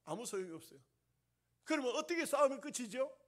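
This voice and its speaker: A male pastor preaching a sermon, emphatic and repetitive, asking the congregation questions and swinging between loud bursts and soft asides. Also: extremely high pitch, big pitch swings, quick pace. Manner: emphatic, repeats lines, asks the congregation questions.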